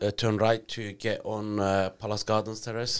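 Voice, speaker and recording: In a very clean recording with a silent background, a man speaks at a fairly slow pace with a fairly low pitch and monotone, flat intonation. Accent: Turkish. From Turkey, Gaziantep. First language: Turkish. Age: 40s. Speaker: taxi driver. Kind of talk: casual chat.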